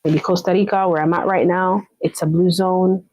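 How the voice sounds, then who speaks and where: A woman's voice: on the low side, steady tone, moderate pace, a little mellow, muffled recording. A woman from Jamaica, hosting a casual motivational live chat, encouraging her viewers and often repeating herself to check in with them. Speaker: live stream host.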